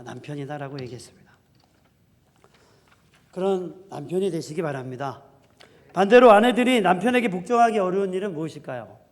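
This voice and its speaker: Male preacher, higher-pitched, forceful swings from loud to quiet, big echoing sanctuary. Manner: emphatic preaching, swings between loud declarations and soft asides. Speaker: pastor. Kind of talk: sermon. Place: church sanctuary. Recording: long hall reverb.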